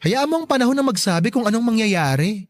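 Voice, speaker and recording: An actor playing a sassy, campy gay best friend in a Tagalog radio drama, teasing and bluntly caring, drawing out emphatic words. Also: male voice, high-pitched, animated, fast talker, no echo. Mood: blunt, encouraging.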